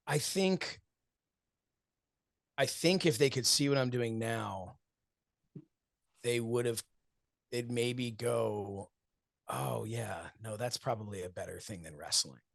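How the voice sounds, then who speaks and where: A man in his forties with a gravelly, textured voice answers interview questions earnestly and reflectively. He tells stories, acts out what friends once said to him, and laughs often, recorded close and dry with no room sound. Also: mid-range voice, slow, pauses often, no echo. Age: 40s. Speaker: wrestling commentator and show host, interview guest.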